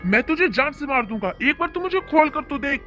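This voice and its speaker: A performer with a high voice plays an older father in a fan audio drama, furious and fiercely protective of his daughter. The voice sits high for the role. Faint music plays underneath. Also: expressive, fast, pushed and bright.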